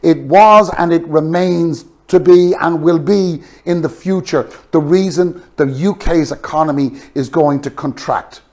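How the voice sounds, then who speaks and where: A man's voice: fairly high pitch, a little slow, few pauses, a little mellow. A man delivering an opinionated news commentary monologue, emphatic and scornful, punctuating it with rhetorical questions. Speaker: political commentator.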